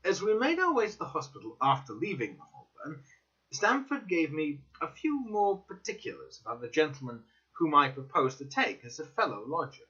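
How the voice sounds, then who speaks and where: Male storyteller for dramatic narration, slightly high and very forceful, on a lo-fi recording. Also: very animated, normal speed. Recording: dull lo-fi recording.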